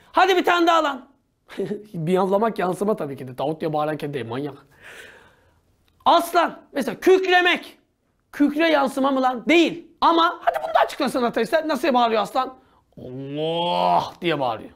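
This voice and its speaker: A male teacher giving an energetic, joking grammar lecture in a slangy manner, now and then bursting into shouts. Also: extremely high pitch.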